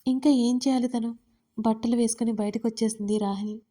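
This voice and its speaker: A woman narrates an audio love story with a steady, expressive reading. Her voice is mellow and warm, pitched a little high, and she carries every scene at an even pace. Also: a little fast.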